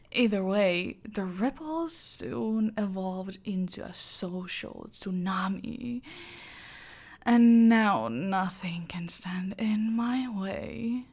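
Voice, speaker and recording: Woman as female cartel boss: imperious, slow, husky-fry whisper, controlled menace. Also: mid-range voice, a little mellow. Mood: smug. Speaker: voice actor in audio roleplay. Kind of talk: ASMR roleplay.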